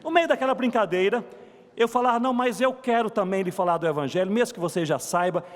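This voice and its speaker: A man preaching a sermon to his congregation, telling a story and swinging between soft and emphatic delivery. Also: sits high, expressive, fast talker, long reverb tail. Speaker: pastor. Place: church sanctuary.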